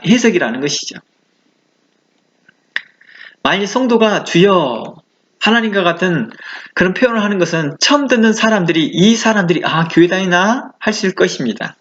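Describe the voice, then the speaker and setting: A man's voice: high-pitched, fairly bright tone, dull audio. A male pastor giving a conversational sermon, asking the listeners questions and acting out the exclamations he quotes. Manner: conversational preaching with rhetorical questions.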